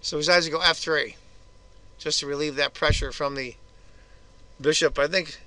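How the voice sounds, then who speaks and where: A hoarse man giving casual, chatty move-by-move commentary on a chess game for his video channel. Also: fairly high pitch, steady tone, moderate pace, sharp tone.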